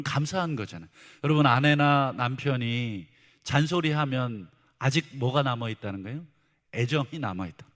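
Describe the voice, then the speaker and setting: A man's voice: a little high, a bit bright. A male pastor preaching a sermon with humor, acting out exchanges between spouses and asking the congregation questions. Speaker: senior pastor. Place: church sanctuary. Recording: long church hall reverb.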